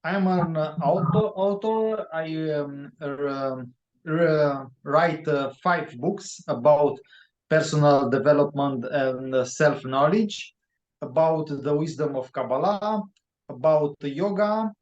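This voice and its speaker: Man, Romanian accent, non-native English, halting with many fillers, very slow, roomy echo, dull lo-fi sound. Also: fairly high pitch, darkish tone. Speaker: guest author. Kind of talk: interview answers.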